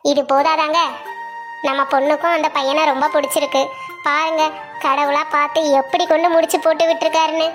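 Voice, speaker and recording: A woman voicing a practical, sharp-tongued middle-aged wife who coaxes and teases her husband. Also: high voice, flat delivery, fairly quick, close to an everyday voice. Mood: coaxing. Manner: coaxing then teasing. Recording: soft music underneath.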